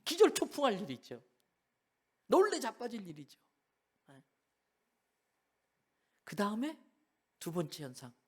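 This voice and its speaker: A middle-aged male pastor delivers a sermon with theatrical flair. He swings from loud, ringing exclamations to near-whispers. He preaches in a church sanctuary. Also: sits high, huge pitch swings, measured pace, pauses often, slightly rough. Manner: dramatic, swinging from loud exclamations to hushed tones.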